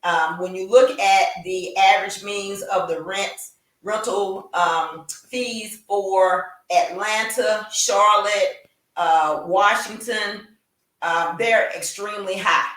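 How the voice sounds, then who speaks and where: A woman's voice: mid-range voice, pushed and bright. Chatty woman host in an echoey room. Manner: chatty, with frequent fillers and restarts. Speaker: talk show host. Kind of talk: casual talk show introduction. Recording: roomy echo, distant from mic.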